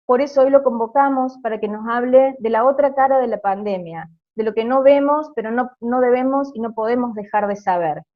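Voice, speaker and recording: A woman with a slightly high voice reads a prepared speech in a formal, measured way. Her audio comes through a video call and sounds dull and lo-fi. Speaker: infectious disease committee member introducing a guest.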